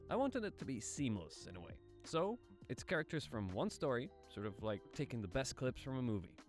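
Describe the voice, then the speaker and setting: A man's voice: medium pitch, big pitch swings, a little fast, faint music behind. A man narrating a casual explainer video as an aspiring voice actor, informal and self-deprecating, posing rhetorical questions.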